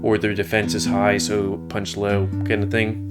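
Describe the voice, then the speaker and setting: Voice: low-pitched, completely flat delivery, moderate pace, over loud music. A video host giving casual, rambling commentary over gameplay, often searching for words. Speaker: video host reviewing games.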